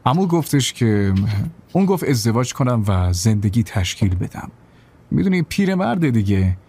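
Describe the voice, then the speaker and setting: A man's voice: medium pitch, a little mellow, slight background noise. An actor dubbing a greedy young nephew who wheedles and dodges questions about his uncle's money. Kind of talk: dubbed film dialogue.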